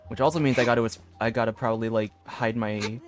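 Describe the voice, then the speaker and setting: A game streamer chats casually while livestreaming, reading bits of on-screen text aloud over soft game music. His mid-range voice is steady and quick.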